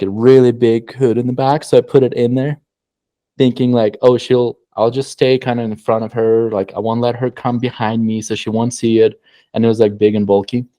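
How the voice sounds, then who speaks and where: A man's voice: lowish voice, mellow, no room sound. A young man, a guest husband, telling a story in a hesitant, plain way in a casual chat.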